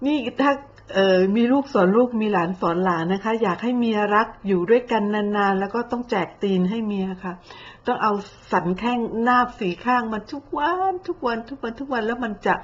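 A woman with a slightly high voice delivers sarcastic commentary, blunt and mocking, with coarse slang. The sound is a bit dull and lo-fi. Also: fairly quick. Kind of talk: sarcastic social media commentary.

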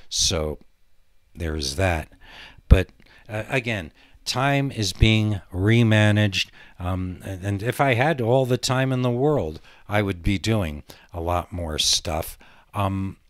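Male podcast host, unhurried, lowish voice, halting, digressive, reflective rambling. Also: a bit bright, dry recording, clean studio sound. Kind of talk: rambling solo podcast monologue.

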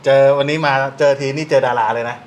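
A man's voice: mid-range voice, fairly even intonation, quick pace. A middle-aged man hosting a live stream, teasing his guest and greeting viewers in an upbeat way.

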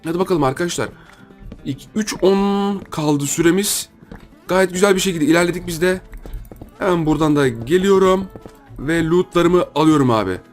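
A man's voice: a little high, normal speed. Young turkish guy narrating his game, chatty and friendly with viewers, faint music behind. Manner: chatty, addresses viewers as friends, thinks aloud while playing. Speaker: gaming YouTuber. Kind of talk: casual gameplay commentary.

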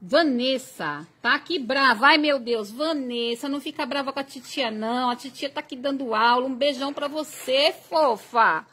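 A woman's voice: sits high, normal speed, hardly any pauses, sharp tone, slightly rough. A Brazilian woman teaching crochet on a live stream, chatting and reading viewer comments aloud. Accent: Brazilian Portuguese.

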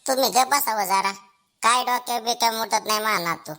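A woman's voice: on the high side, moderate pace, pushed and bright. A woman voicing a doting but scolding old village grandmother in a comedy cartoon, nagging and protective, with a rural Maharashtrian accent. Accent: rural Maharashtrian Marathi. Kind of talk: Marathi comedy cartoon dialogue.

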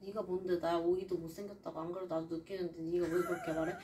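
A woman's voice: on the low side, flat delivery, quick pace, mellow, recorded from a distance. A woman co-hosting a live stream, complaining in a sulky, tearful voice. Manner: sulky, complaining, voice breaking into tears. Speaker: streamer co-host. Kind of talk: casual chat on a live stream.

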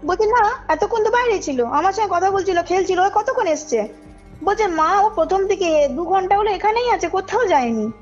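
A woman's voice: extremely high pitch, animated, normal speed. A woman tells a personal story as a caller, informally and emphatically, often checking that her listener follows. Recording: muffled call audio under loud music. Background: background music.

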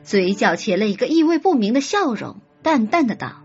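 A woman's voice: fairly high pitch, very animated, brisk. A woman narrating a romance audiobook in first person, telling it expressively. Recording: slightly dull audio with soft music.

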